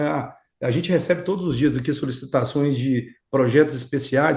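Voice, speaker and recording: A man's somewhat breathy voice keeps a moderate pace and ordinary pitch variation. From Minas Gerais, Brazil. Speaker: company co-founder, telemetry engineer. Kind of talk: live-stream interview, technical chat. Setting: live stream. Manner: halting, frequent repetitions and fillers.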